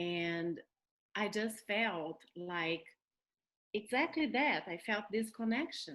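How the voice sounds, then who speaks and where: A woman of medium pitch speaks with lively intonation and a Brazilian accent. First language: Portuguese. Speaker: bereaved widow sharing in a grief group. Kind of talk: testimony. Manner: slow, halting.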